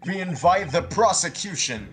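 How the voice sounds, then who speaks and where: A man's voice: high voice, very animated, moderate pace, fairly bright tone, voice pushed up. A man reading an earnest young defense lawyer. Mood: dramatic.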